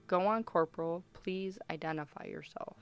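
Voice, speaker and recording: A woman's voice: lowish voice, moderate pace, smooth, no room sound, natural voice. A woman playing a firm, clinical doctor conducting a formal interrogation in a radio play. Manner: formal, controlled, official.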